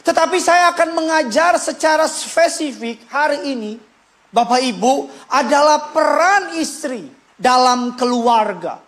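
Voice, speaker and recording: A male pastor preaching a sermon in a joking, animated way, leading the congregation in call-and-response. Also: extremely high pitch, a little slow, slight background noise.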